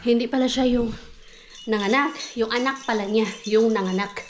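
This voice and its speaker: A woman's voice: on the high side, fairly even intonation, normal speed, background noise. Chatty woman vlogging at home. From Philippines. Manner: chatty, switches to sing-song baby talk with her toddler. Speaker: vlogger mom. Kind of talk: casual home vlog chat.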